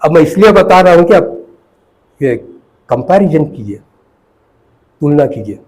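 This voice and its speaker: An older retired professor, reminiscing in an interview, halting and repeating words, mixing in English phrases. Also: male voice, a little high, sing-song, darkish tone, low-quality recording.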